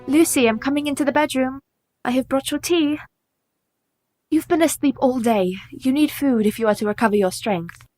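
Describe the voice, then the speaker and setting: An actress playing a caring, composed young woman who speaks in steady, formal period English in a radio play. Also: high voice, normal speed, soft background music. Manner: steady, reassuring, formal speech.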